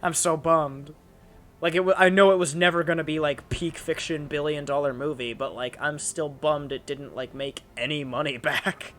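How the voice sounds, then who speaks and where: A man's voice: fairly high pitch, steady tone, normal speed, fairly bright tone. A young man hosting a casual chat, rambling with lots of fillers and restarts. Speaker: channel host.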